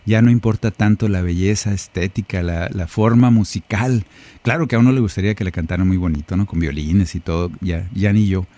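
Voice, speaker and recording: A man's voice: low-pitched, steady tone, fairly quick, dark tone, dry recording. A man, a Catholic singer-songwriter hosting a reflective, joking talk between songs. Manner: conversational and joking. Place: his own recording studio.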